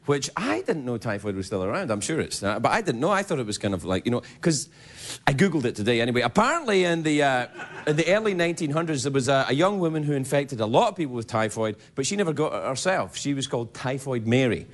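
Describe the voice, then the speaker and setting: A man doing a rambling stand-up monologue, slipping into silly voices for quick bits. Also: mid-range voice, big pitch swings. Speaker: stand-up comedian. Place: comedy stage before a live audience. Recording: live room with loud audience laughter.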